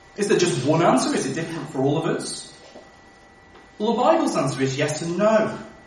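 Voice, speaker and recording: A man speaks at a high pitch with lively intonation and long, frequent pauses, amid noticeable background noise and audible room echo. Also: fairly quick pace. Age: 30s. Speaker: pastor. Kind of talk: sermon.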